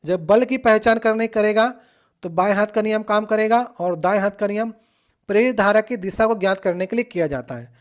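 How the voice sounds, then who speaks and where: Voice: mid-range voice, a little fast. Patient teacher walking through exam questions. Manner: patient, repetitive explaining with frequent check-ins. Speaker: exam coach.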